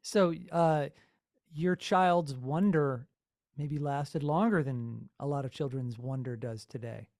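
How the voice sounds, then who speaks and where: A man hosting an interview, asking conversational questions in a slightly hesitant, pausing way. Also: mid-range voice, darkish tone, no echo, clean studio sound. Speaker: interview host.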